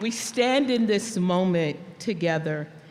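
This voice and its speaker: A woman in an American accent at a very slow pace, with audible room echo. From California. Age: 60s. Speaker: graduating student. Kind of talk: commencement speech. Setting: stage with audience.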